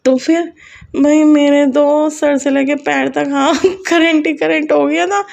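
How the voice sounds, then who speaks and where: A middle-aged woman speaks to her congregation about a personal spiritual experience. She sounds chatty and emotional. Her voice sits high and carries a gravelly, creaky edge. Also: fairly even intonation, slow pace, a little mellow. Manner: chatty, emotional, sings short devotional lines. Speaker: devotee sharing a spiritual experience.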